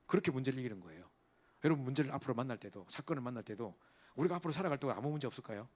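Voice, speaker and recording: A man's voice: mid-range voice, animated, very fast, darkish tone. A middle-aged male pastor preaching an emphatic sermon to a church youth group, asking rhetorical questions and checking in with his listeners again and again.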